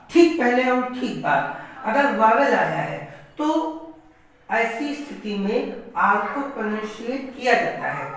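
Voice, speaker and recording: A man teaching an English lesson, spelling words letter by letter and often clearing his throat. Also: extremely high pitch, a bit bright, very echoey, far from the mic, rough recording. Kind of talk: classroom lesson.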